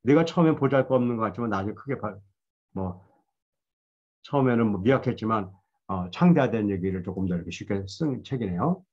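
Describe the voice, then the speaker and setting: A man's voice: on the low side, expressive, quick pace, darkish tone, slightly rough, dull audio. A man giving a Bible lecture in a conversational, storytelling way, admitting his own past mistakes. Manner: conversational, self-deprecating storytelling.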